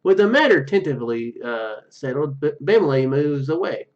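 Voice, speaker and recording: Gamer guy narrating a story game, higher voice, swoops around a lot, trips on words, dull mic sound. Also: expressive, a little mellow. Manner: halting, stumbles over read words. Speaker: gaming YouTuber. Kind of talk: let's play, reading story text aloud with casual asides.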